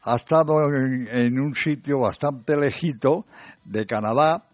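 Man, Spain accent, radio host, medium pitch, halting repetitive talk, dry sound. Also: no room sound. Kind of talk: live radio chat.

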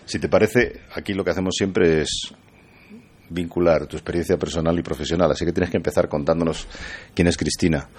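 A man hosting an interview podcast, reading a formal introduction of his guest and then asking relaxed questions. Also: low voice, a little fast, husky. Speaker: interview host.

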